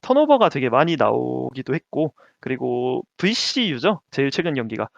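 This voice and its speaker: Casting: animated male co-host, higher voice, dull dry lo-fi sound. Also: normal speed, vocal fry, no echo. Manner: lively, laughs often, stumbles over names. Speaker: podcast co-host. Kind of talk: casual basketball chat.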